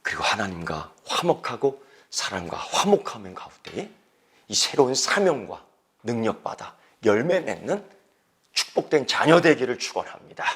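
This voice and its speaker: A male pastor preaching a sermon, swinging between loud emphatic exhortation and hushed whispered lines. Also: mid-range voice, big pitch swings, moderate pace, slightly rough.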